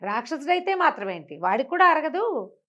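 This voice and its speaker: High-voiced woman telling a folk tale. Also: big pitch swings, brisk, sharp tone, muffled recording. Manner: conversational, repeats phrases and asks rhetorical questions. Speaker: storyteller. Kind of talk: animated oral storytelling of a moral tale.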